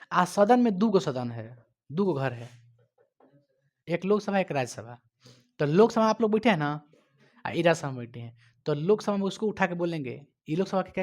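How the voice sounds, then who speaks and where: A male coaching teacher with a Bihari Hindi accent delivers a classroom lecture, quizzing and scolding his students while swinging between loud and quiet. His voice is on the high side.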